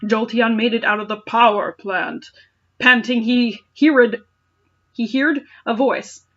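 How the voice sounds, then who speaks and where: High-voiced sarcastic woman, slightly dull recording. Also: steady tone, slow, a bit bright. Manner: sarcastic, incredulous, exaggerated when reading. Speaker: host reading fan fiction aloud. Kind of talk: dramatic reading with mocking asides.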